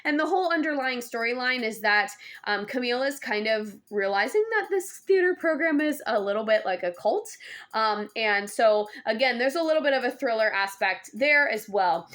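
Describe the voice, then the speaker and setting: A woman's voice: on the high side, expressive, normal speed, fairly bright tone. Chatty young woman reviewing a book. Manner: chatty, many ums and restarts. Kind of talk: casual book review vlog.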